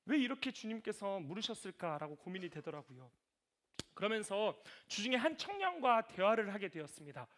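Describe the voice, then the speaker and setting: Young male preacher, high animated voice, chatty sermon style with loud acted-out quotes. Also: brisk. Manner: conversational storytelling, acts out quoted lines with sudden loud bursts. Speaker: youth pastor preaching. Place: church sanctuary.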